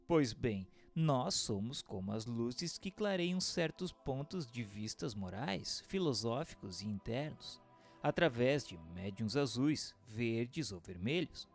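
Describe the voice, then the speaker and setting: Brazilian guy doing a wise solemn spirit in a radio drama, very animated pitch, declaims like a teacher, bit of music behind. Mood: solemn, explanatory. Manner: declamatory, deliberate, emphatic phrasing. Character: learned male spirit patiently instructing mortals, solemn and eloquent. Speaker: voice actor in an audio book dramatization. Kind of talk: scripted radio drama monologue, didactic reading.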